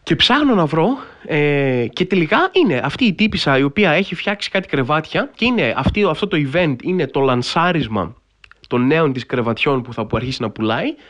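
A man hosts a casual podcast, spinning a story with wry disbelief. His voice sits a bit high for a man and swings widely up and down as he gets carried away. He peppers his talk with fillers and loose asides. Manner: animated storytelling with frequent filler phrases; wry, incredulous humor. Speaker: podcast host.

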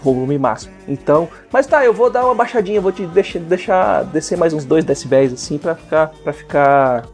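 A man's voice: on the high side, expressive, a little fast, soft background music. A Brazilian man co-hosting a podcast in casual, slangy, jokey chat, reading out listener comments. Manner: jokey, slangy, often laughing. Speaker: podcast co-host.

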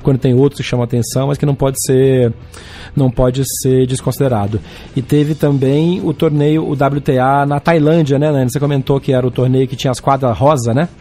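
Male Brazilian podcast host, casual sports chat; hoarse, honking voice with a dark, mellow tone and occasional cracks. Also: mid-range voice, fairly even intonation, brisk. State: hoarse from a throat problem. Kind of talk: casual sports podcast talk about tennis.

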